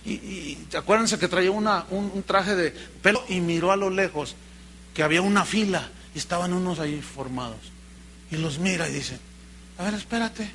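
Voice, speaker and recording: A man with a Mexican accent preaching a sermon, telling stories in an animated way and calling his listeners brother. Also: high-pitched, moderate pace, slight background noise. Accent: Mexican Spanish. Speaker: pastor.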